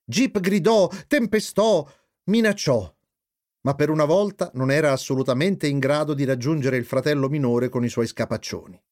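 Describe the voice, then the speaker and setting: A man narrating a children's story aloud in an expressive way. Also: on the high side, normal speed. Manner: lively, expressive.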